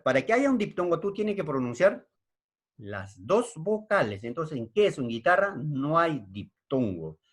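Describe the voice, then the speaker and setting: A man's voice: fairly high pitch, husky. A man with a Peruvian Spanish accent teaching an online language lesson, explaining patiently and checking in with frequent tag questions. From Peru.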